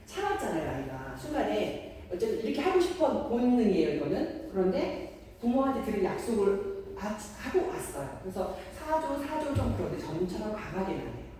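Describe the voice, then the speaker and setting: A woman leads a parenting lecture, acting out parents and children with lively swings in her voice. Her tone is mellow, and she sounds set back from the mic in a large, echoing room. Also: a little fast, recorded from a distance, slight background noise. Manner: animated, acts out parent and child lines in a higher voice. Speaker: daycare parent-education lecturer.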